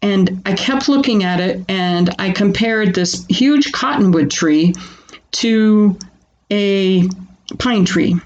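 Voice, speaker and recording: A woman calmly talking listeners through a grounding exercise in an informal, conversational way, using questions and personal asides. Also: medium pitch, takes it slowly, lo-fi sound. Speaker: presenter of a self-help grounding exercise. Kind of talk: conversational self-help talk teaching a calming grounding exercise.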